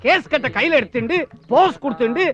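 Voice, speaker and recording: An actor playing a blustering middle-aged lawyer in a film comedy, flustered and pleading. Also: male voice, extremely high pitch, expressive, brisk, fairly bright tone. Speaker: senior lawyer, father. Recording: dull lo-fi film audio with music.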